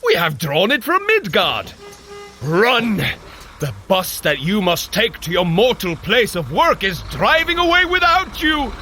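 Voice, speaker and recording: An actor playing a boisterous, cheerful Norse warrior god in an audio drama, with theatrical, grand old-fashioned phrasing. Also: male voice, high-pitched, huge pitch swings, a little slow, pushed and bright, soft background music, full character voice. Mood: excited, amused.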